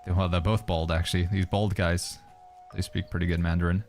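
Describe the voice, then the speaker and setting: A man streaming a game, reading viewer questions aloud and musing through his answers in a relaxed, casual way. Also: low voice, a little fast, faint music behind. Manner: relaxed, reads viewer questions aloud and muses with hedging asides. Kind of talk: casual livestream chat while playing.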